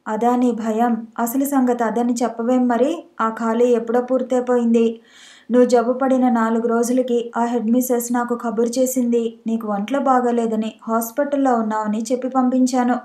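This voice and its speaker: A woman's voice: a little high, flat delivery, moderate pace, warm tone, close to an everyday voice. A woman reading the lines of a frank, practical young female friend who reasons things out. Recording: echoey room.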